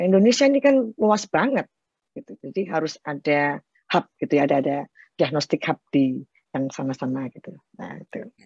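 Against a quiet background in a dry sound with no echo, a woman with a very deep, low pitch talks at a moderate pace, with very wide pitch swings and big swings in loudness. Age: 50s. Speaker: pediatrician; interview guest. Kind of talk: interview. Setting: remote recording. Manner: halting. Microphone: earbuds.

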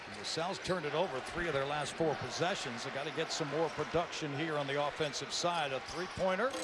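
Talking at a very fast pace with hardly any pauses, a man keeps a fairly high pitch. Noticeable background noise runs underneath. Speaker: play-by-play announcer. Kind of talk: live sports commentary. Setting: arena broadcast.

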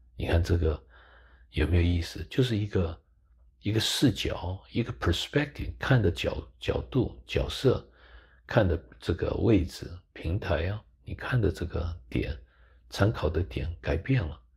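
The speech moves at a fairly slow pace with vocal fry. Pitch swings very widely. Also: man, very deep, low pitch for a man. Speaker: spiritual teacher. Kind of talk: spiritual talk.

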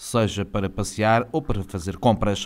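A very clean recording with a silent background, carrying a man's moderate-paced speech. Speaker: news reporter. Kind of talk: news reading. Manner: formal.

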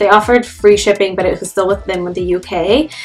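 A woman talks with ordinary pitch variation while faint music sits in the background. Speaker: beauty vlogger. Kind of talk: casual vlog chat.

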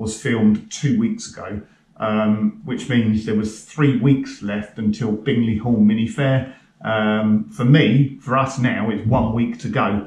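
Somewhat breathy, a man speaks at a fairly slow pace with ordinary pitch variation, audible room echo and light background noise. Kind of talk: casual vlog chat. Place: garage. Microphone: camera far.

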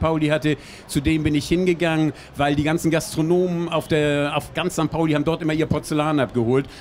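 Over light background noise, a man talks at a fairly quick pace in a fairly high, monotone, flat voice. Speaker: talk show guest, local restaurateur. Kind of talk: casual storytelling interview. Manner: chatty, casual. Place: street. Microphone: handheld.

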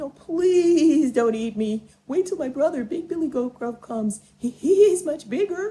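A woman's cartoonish character voice, high in pitch, at a fairly slow pace with hardly any pauses. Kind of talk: puppet story time for children.

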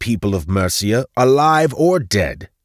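A man uses a booming, put-on character voice. He goes at a moderate pace on a very clean recording with a silent background. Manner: pompous, scornful, menacing.

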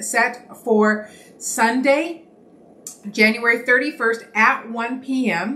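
Ordinary pitch variation in a woman's speech. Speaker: pastor. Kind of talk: church announcements. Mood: warm, lightly humorous. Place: home room. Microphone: camera far.

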